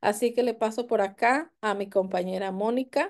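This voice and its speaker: The background is quiet as a woman talks at a moderate pace. Her pitch varies in an ordinary way. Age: 30s. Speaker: direct-sales entrepreneur; presenter. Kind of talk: sales pitch; presentation to an online audience. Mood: upbeat, enthusiastic. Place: home room. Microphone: webcam.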